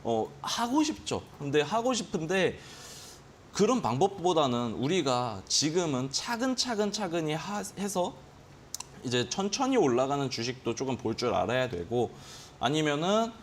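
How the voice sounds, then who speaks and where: An animated male stock trading instructor, his voice on the high side and at normal speed, explains day trading to students on a finance broadcast. Slight background noise fills the studio as he dramatizes his gut reactions through quoted exclamations.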